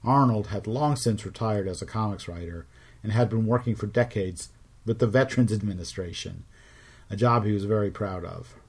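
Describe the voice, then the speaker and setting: A middle-aged man with a fairly low voice narrates his podcast from a script. He keeps a measured storytelling pace and slips in dry, wry asides. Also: darkish tone, slightly rough. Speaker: podcast host.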